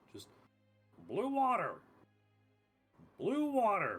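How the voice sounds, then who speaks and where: Over background music, a man puts on a guttural character voice at an extremely high pitch. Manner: coaxing, repetitive.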